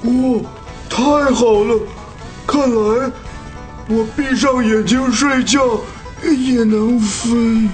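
A lazy little bear in a children's radio play. The words come very slowly in a high voice, with faint music behind. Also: female voice, steady tone, darkish tone. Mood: drowsy, pleased. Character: sleepy, lazy little bear, easily upset. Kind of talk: children's radio drama acting.

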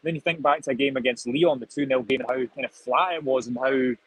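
A man's voice: medium pitch, fast talker, fairly bright tone, husky. A man in his twenties, a reporter at the stadium on a video call, reflecting on the match in a thoughtful, rambling way. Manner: thoughtful, rambling, many restarts. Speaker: football reporter, guest. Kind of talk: live reaction analysis.

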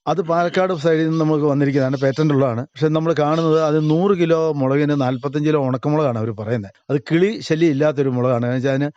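A middle-aged farmer from Kerala, answering interview questions in a plain, casual way and pausing to search for words. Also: male voice, fairly high pitch, steady tone, a little mellow. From Kerala, India. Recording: dull lo-fi radio recording.

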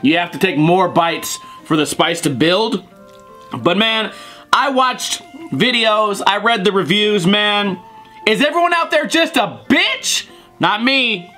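A man's voice: high-pitched, lively intonation, slow, sharp tone, faint music behind. Blunt young man reviewing noodles. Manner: blunt, crude, jokey. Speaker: host. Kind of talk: casual food review vlog. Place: living room, on a couch.

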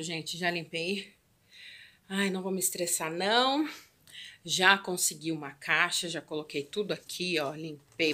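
A woman's voice: lowish voice, pushed and bright. Chatty Brazilian woman vlogging at home. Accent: Brazilian Portuguese. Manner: chatty, talks straight to viewers with many asides. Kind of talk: casual home vlog chat. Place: apartment at home.

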